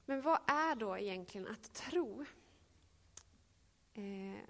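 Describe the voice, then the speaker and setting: A woman in her thirties giving a reflective sermon and reading scripture, pausing often with hesitations. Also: mid-range voice, lively intonation, fairly bright tone. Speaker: preacher.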